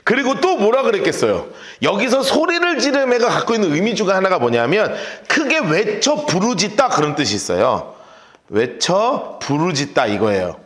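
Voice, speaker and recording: A pastor leading a lively Bible study lecture, acting out scenes and shouting the quotes. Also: male voice, high voice, fairly quick, echoey room. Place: church hall.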